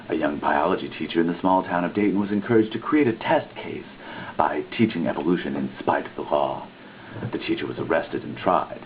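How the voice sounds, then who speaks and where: A man giving a theatrical, mock-dramatic reading of a written text, with big swings in pitch and stress. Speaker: reader. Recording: tinny lo-fi recording with faint noise.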